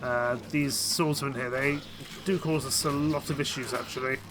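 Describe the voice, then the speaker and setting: A man with a cold and a croaky voice, giving casual, hesitant commentary while playing a strategy game. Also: mid-range voice, fairly even intonation, normal speed, noisy background. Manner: hesitant, full of ums and restarts. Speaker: game streamer.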